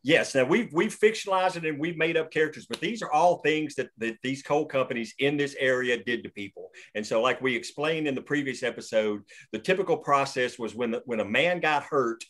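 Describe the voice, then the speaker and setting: A man's voice: mid-range voice, brisk, hardly any pauses, a bit bright. A man hosting a script table read, casually explaining the story and its history, with many restarts. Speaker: writer and host of the table read.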